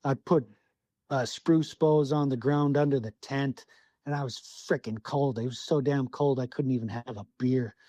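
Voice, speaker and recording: A man's voice: medium pitch, steady tone, normal speed, warm tone, no room sound. A man from Southwest Alaska, a podcast guest telling a hunting story in casual, profane storytelling, acting out his own thoughts. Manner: salty, swears freely, acts out his own thoughts.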